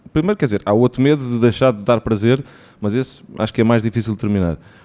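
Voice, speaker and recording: A man at a medium pitch talks very fast with fairly even intonation and a dark, mellow tone, in a dry, close sound with no echo. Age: 40s. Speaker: musician. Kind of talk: casual chat. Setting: stage with audience. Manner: halting.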